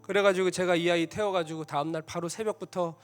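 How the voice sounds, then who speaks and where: Male missionary preacher, slightly high voice, animated storytelling sermon, quiet instrumental bed. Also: quick pace. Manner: animated, acts out quoted voices, drops to a soft hush. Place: church sanctuary. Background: soft instrumental music.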